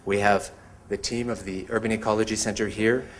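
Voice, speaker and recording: A man hosting an evening talk, introducing the speakers in a measured way. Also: on the low side, flat delivery, a little hiss or hum. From Montreal. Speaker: event host introducing speakers. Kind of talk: event introduction.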